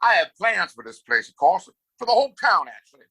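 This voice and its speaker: A man's voice: high-pitched, sing-song, brisk, bright, forceful tone, breathy edge, heavily acted. A man playing a domineering, scornful wealthy father and town boss in a Western audio play, condescending and commanding. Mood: haughty.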